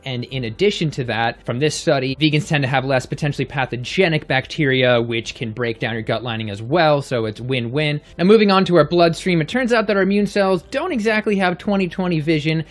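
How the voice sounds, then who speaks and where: A man hosting an upbeat science explainer, energetic and given to jokey asides. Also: a little high, brisk, hardly any pauses. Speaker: host.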